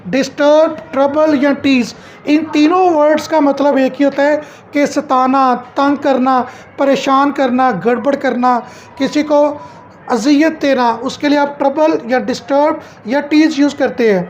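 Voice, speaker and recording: A woman's voice: high voice, fairly even intonation, unhurried, darkish tone, lo-fi sound, slight background noise. A middle-aged woman at home teaching English phrases, asking each one back as a question and then answering it.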